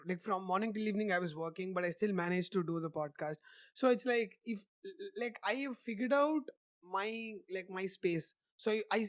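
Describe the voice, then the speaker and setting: The young adult podcast host rambles through casual conversational answers, using "like" over and over as a filler. His voice sits high, and the recording is dry.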